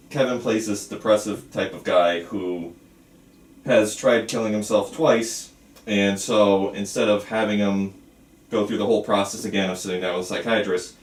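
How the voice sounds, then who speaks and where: Low-voiced man at an echoey table read. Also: fairly even intonation, moderate pace. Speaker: filmmaker leading a table read. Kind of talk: casual explanation and reading stage directions. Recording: roomy, distant, faint background noise.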